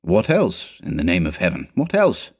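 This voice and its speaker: A man's voice: low voice, huge pitch swings, moderate pace, heavily acted. A man voicing a nervous, stubbornly rational adventurer in a storybook, dismissive and impatient. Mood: dismissive, uneasy. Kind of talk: storybook character dialogue.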